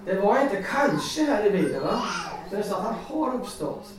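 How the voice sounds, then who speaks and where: A man giving an informal sermon and personal testimony, chatty and animated, often laughing as he tells stories. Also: high-pitched, crowd noise. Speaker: lay preacher. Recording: echoey hall, distant mic, faint noise.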